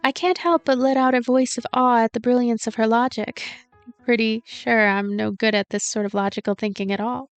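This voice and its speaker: Woman doing a voiced lets play, high pitched, reading story stuff out, music under it. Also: steady tone, moderate pace, clear, resonant tone, dry recording, muffled recording. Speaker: let's play commentator and narrator. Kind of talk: voiced gameplay narration and commentary.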